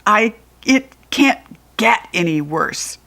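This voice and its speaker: A woman voicing a grumpy male frost villain with a toothache who whines loudly. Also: medium pitch, lively intonation, slow pace, creaky, exaggerated voice. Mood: moaning. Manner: whiny, loud, complaining.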